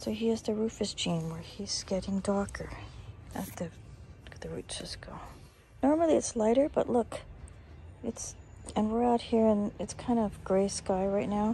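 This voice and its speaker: Long, frequent pauses break up speech at a moderate pace, with light background noise and a dry sound with no echo. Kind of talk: casual show-and-tell explanation. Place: garden. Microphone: phone near.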